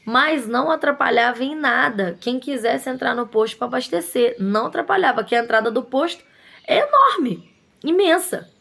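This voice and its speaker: Woman shop owner, fairly high gravelly voice, animated indignant storyteller. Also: moderate pace. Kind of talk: casual storytelling to viewers.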